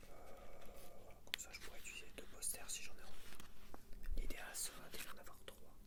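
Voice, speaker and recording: A man whispers throughout, his voice soft, breathy and entirely unvoiced. He talks in a casual ASMR style, informally musing aloud as he goes. The delivery is unscripted and chatty. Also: normal speed. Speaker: ASMR video creator.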